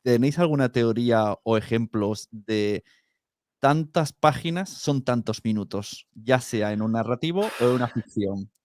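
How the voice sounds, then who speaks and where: A man with an accent from Spain, chatting casually as a podcast interviewer, haltingly rephrasing as he thinks. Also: medium pitch, animated, dry recording, clean studio sound. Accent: Spanish from Spain. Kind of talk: casual chat.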